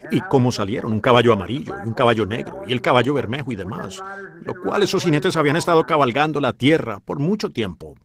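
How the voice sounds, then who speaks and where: A man's voice: medium pitch, expressive, fast talker, crowd noise. A man preaching a dubbed sermon in a fervent, exhorting way.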